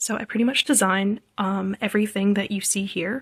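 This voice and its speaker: A somewhat breathy woman with an American accent, in a dry, close sound with no echo. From coastal Virginia, US. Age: 20s. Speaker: embroiderer. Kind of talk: show-and-tell monologue.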